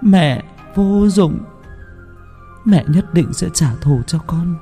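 A man's voice: mid-range voice, very animated, moderate pace, warm tone, roomy sound, in a large hall, soft background music, close to an everyday voice. A man voicing a grieving young peasant mother who pleads through tears and swears revenge. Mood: sobbing grief. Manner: sobbing, pleading.

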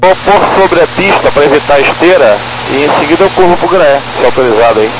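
A man's voice: on the high side, expressive, quick pace. A Brazilian man, a helicopter pilot, talking to the tower in loose procedural phrases over crackly, military-style radio. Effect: crackly aviation radio. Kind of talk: informal procedural radio exchange. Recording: crackly noisy cockpit radio transmission.

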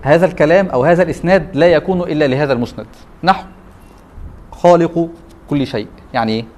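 This fast-talking teacher has a fairly high, slightly mellow voice and an Egyptian Arabic accent. During his classroom lecture he keeps asking rhetorical questions meant to prompt the students.

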